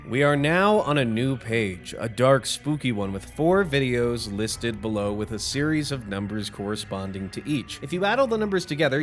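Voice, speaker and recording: A man's voice: medium pitch, fairly bright tone. A man hosting a commentary video, speaking casually with wry asides and some swearing. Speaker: YouTube host reviewing horror stories.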